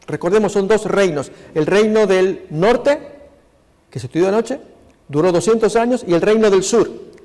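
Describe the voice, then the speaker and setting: A man's voice: high voice, moderate pace, a little mellow. A man pastor preaching a sermon over slides, earnestly addressing his congregation. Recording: long hall reverb.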